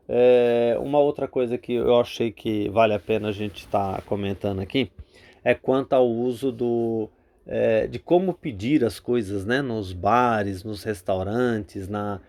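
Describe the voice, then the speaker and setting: A man's voice: lowish voice, slow, darkish tone. A Brazilian man with a Brazilian Portuguese accent, teaching English vocabulary in a casual spoken lesson, full of fillers and repeated "tá?" check-ins.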